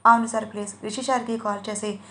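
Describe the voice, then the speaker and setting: Female narrator playing frightened pregnant young woman, pleading, flat delivery, audio story. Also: mid-range voice, fast, lightly acted. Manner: pleading, anxious.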